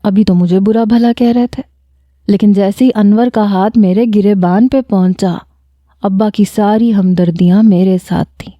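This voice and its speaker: A woman narrating a first-person romantic story with a lively, expressive reading. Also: medium pitch, no room sound, dull audio.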